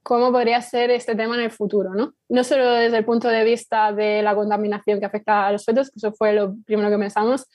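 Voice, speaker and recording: A woman's voice: a little high, little pitch movement, fast talker, hardly any pauses, a little mellow, no room sound, clean studio sound. A woman talking casually as an interview guest, explaining things and rephrasing as she goes. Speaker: fiction podcast writer, interview guest.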